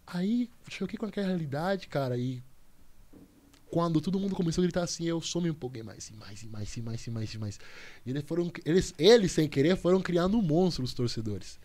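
A young man, a podcast guest telling a story in a lively, slangy way, full of restarts and repeats. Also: a little high, a little fast. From Cuba. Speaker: podcast guest, volleyball player. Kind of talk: casual storytelling chat.

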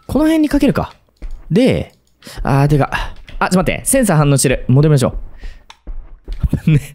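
A man's voice: mid-range voice, a little mellow. Jumpy man playing a horror game. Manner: jumpy, talks to himself, sudden yelps and laughs. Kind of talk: let's play commentary.

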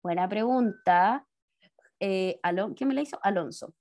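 An unhurried woman with a medium-pitched, slightly mellow voice and a Chilean Spanish accent gives an online science lesson from home. Treating the pupils as kids, she moves step by step and ends each point with a tag question, heard through a laptop mic on a video call.

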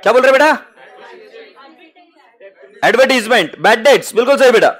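A man's voice: very high-pitched, animated, normal speed, a bit bright, some chatter behind. A man with an Indian accent teaching accounting to a live class, mixing Hindi and English and calling students "beta" fondly.

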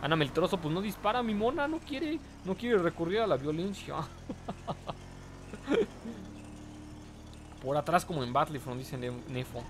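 Young Mexican man, gaming stream commentary, excitable, slangy, joking, slightly high voice, faint noise. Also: fairly quick, hardly any pauses. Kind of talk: live gameplay commentary, reading chat.

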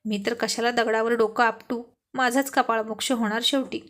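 A woman voicing a young devoted wife who speaks with earnest, emotional warmth in storybook dialogue. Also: a little high, fairly even intonation, moderate pace, natural voice. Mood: earnest, teasing.

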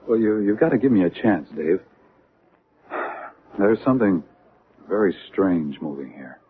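An actor playing a probing, eager hypnotist doctor in a radio drama. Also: male voice, low voice, animated, a little slow. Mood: excited. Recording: noisy, tinny old radio broadcast.

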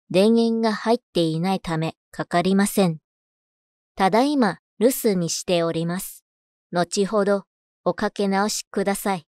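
A woman's voice: medium pitch, a little mellow, dry recording. Dry-sounding woman doing scripted voice-over. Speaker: voice actor. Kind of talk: scripted narration and announcements, voice-over demo.

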